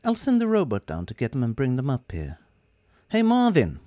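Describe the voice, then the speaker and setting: A man voicing a bright, compassionate young woman who speaks in a lilt. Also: medium pitch, huge pitch swings, quick pace, no room sound, clean studio sound. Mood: cheerful. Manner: lilting, bright.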